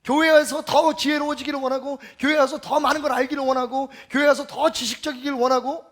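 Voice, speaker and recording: A man giving a Sunday sermon as pastor, emphatic and full of rhetorical questions, swinging between loud and soft. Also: very high-pitched, fairly even intonation, fast talker.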